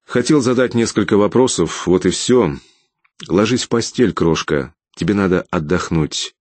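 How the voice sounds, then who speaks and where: A man reading an audiobook, voicing the first-person hero, a desperate young father who shouts in raw, strained anger. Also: low voice, normal speed, dry recording. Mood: weary.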